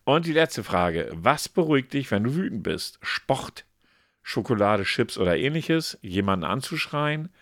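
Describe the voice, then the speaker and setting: A man's voice: mid-range voice, sing-song, a little slow, a bit bright, no room sound, studio quality. A man co-hosting a casual podcast, reading quiz questions and answer options aloud in a playful way. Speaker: podcast co-host.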